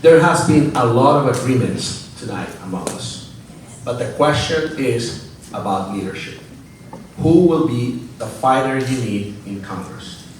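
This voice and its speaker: A man's voice: mid-range voice, animated, measured pace, recorded from a distance, noisy background. Man speaking in an echoing hall. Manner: earnest, emphatic, briefly switches to Spanish. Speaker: congressional candidate. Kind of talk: campaign forum closing statement. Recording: echoey hall, mic heard from afar.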